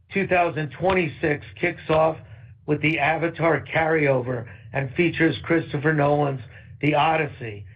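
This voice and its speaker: A man, a company executive, reading prepared earnings call remarks in a steady, upbeat way. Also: fairly high pitch. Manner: steady, upbeat, read from a script. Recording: muffled conference call audio.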